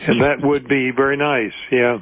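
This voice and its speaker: A man's voice: medium pitch, level tone, moderate pace, slight background noise. Polite, rambling man on muffled phone. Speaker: phone guest, haunted house expert. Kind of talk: phone interview.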